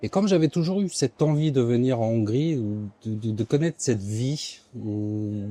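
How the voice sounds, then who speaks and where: A man's voice: medium pitch, moderate pace, warm tone. A man in his forties from France, talking casually as an interview guest, often hesitating with fillers and restarts. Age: 40s.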